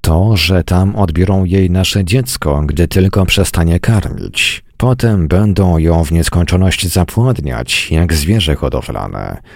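A weary, reluctant soldier, as a man voices him, speaking quietly and with resignation. His low, gravelly voice sounds close and dry. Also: lively intonation, takes it slowly, hardly any pauses, no echo, exaggerated voice.

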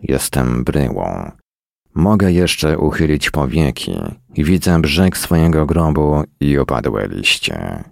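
A man reading a first-person story in a weary, deadpan manner at a close mic. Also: extremely low pitch, slow pace, vocal fry, no echo. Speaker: narrator.

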